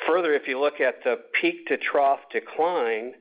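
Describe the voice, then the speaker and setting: A man speaking as a company executive on an earnings call, answering analysts in measured, short deliberate phrases over a conference line. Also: medium pitch. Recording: narrow tinny conference phone line.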